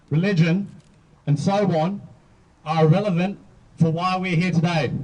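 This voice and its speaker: Young man, twenties, measured rally speech, darker tone, distant outdoor recording. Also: on the high side, darkish tone. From Australia. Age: 20s. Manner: measured, deliberate phrasing in short clauses. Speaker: youth speaker at a rally. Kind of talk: public speech.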